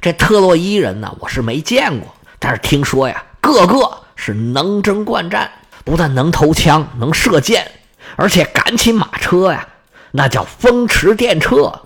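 Man voicing a grave warrior king, husky, earnest, low counsel, storybook. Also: sing-song, measured pace, a bit bright, full character voice. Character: departing warrior king, grave and caring husband.

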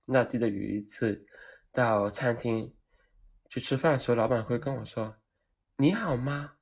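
Man, Cantonese-accented Mandarin, from Hong Kong, comedic storytelling, animated, self-mocking, mid-range voice. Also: medium pitch, normal speed, creaky. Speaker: vlogger.

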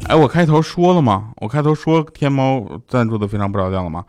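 A man's voice: mid-range voice, animated, fast, over loud music. A man hosting a radio show, telling a string of short jokes and acting out quoted voices. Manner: jokey, acts out quoted voices. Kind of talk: comic monologue of jokes.

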